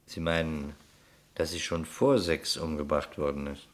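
An actor playing a wry, probing police detective in a German radio crime play, questioning sceptically. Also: male voice, rumbling low, fairly even intonation, measured pace. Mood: puzzled, insistent.

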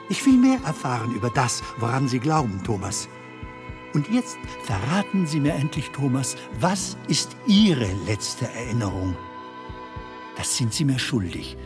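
An actor playing a playful comedian who philosophizes in a German audio drama, halting and repeating words as he muses. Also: mid-range voice. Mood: eager, coaxing.

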